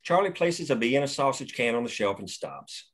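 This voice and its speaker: A man's voice: medium pitch, lively intonation, normal speed. A man reading the stage directions of a screenplay steadily at a table read.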